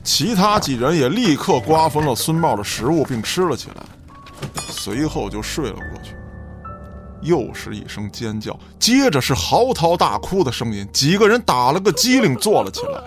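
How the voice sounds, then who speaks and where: A man's voice: on the high side, sing-song, normal speed, faint music behind. A man narrating an audio drama from a script in a dramatic storytelling style.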